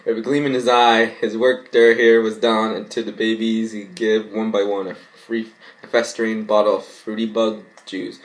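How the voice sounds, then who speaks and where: This bedroom-recorded vlogger is a young adult man with a lowish voice who rambles casually while reading fan fiction aloud, frequently stumbling over words. The recording is rough.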